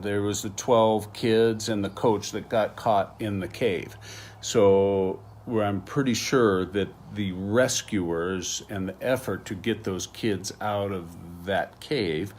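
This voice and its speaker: Casting: middle-aged American male teacher, low voice, slow patient delivery, faint noise. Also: darkish tone. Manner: slow, patient explaining with examples. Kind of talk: slang lesson.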